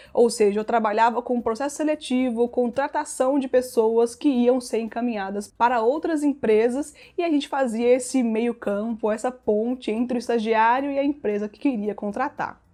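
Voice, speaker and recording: Speaking at a moderate pace with hardly any pauses, a woman with a Minas Gerais accent has a high pitch, a dark, mellow tone and fairly even intonation. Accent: Minas Gerais (mineiro) Brazilian Portuguese. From Brazil, Minas Gerais (Belo Horizonte). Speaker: psychologist, YouTuber. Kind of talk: casual talk to camera.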